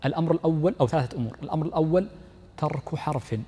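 A sheikh giving a fast-paced classroom lesson in a warm, slightly husky voice, reading lines from the book and then explaining them with frequent repetition. His voice carries a long reverb from a large lecture hall. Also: a little high. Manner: explains step by step, repeats key phrases, reads the text aloud then comments. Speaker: sheikh teaching Islamic jurisprudence.

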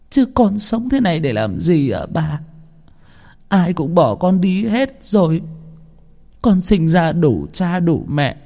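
A man's voice: mid-range voice, mellow, echoey room, in a large hall, lightly acted. A man voicing a grieving young peasant mother who pleads through tears and swears revenge. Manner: sobbing, pleading.

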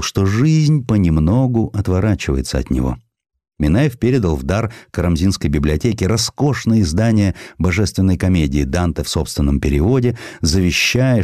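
A man narrating a literary audiobook in a measured, expressive, dramatic storytelling manner. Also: deep voice, dry recording, studio quality.

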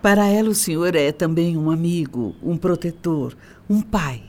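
A woman's voice: lowish voice, moderate pace, darkish tone, lightly acted. A refined middle-aged Brazilian mother of the radio soap , acted by a woman. She is polite and elegant, with a calculating edge beneath her courteous, theatrical phrasing. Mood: polite, ingratiating. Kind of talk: radio soap opera acting.

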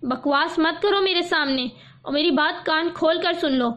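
Audiobook: angry older uncle shouting down his niece, voiced by a woman; slightly muffled audio. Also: very high-pitched. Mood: enraged. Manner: shouting, scolding harshly. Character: stern furious older uncle, a man.

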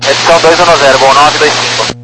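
A male pilot reading back instructions over a cockpit headset radio in clipped, quick numeric readbacks. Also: on the high side, fairly even intonation. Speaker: airline pilot. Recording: noisy radio transmission.

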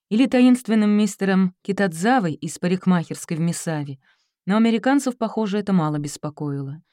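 A woman's voice: medium pitch, dark tone, no room sound, clean studio sound. A woman reading a novel aloud as an audiobook narrator, voicing the characters' dialogue herself. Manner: reads all characters' dialogue herself with small shifts. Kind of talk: scripted narration.

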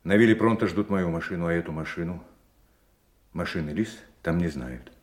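An actor plays a decisive male undercover operative in an audio drama. His voice is deep. He speaks in a businesslike, clipped and courteous manner, as a man used to organizing secret moves. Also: normal speed, natural voice.

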